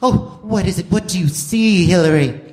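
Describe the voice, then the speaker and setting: A man's voice: high-pitched, normal speed, a little mellow, faint music behind, close to an everyday voice. A man playing a prim, prying, melodramatic woman friend in a comedic mock radio play. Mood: anxious curiosity. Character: fretful, prim, gossipy woman friend named Margaret on telephone. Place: small comedy theater stage. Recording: echoey noisy live theater recording.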